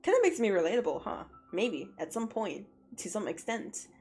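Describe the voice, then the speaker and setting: Young female art streamer, self-deprecating and rambly, slightly sore throat, soft music under her talk. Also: medium pitch, big pitch swings, moderate pace. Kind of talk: casual stream chat while drawing. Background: faint music.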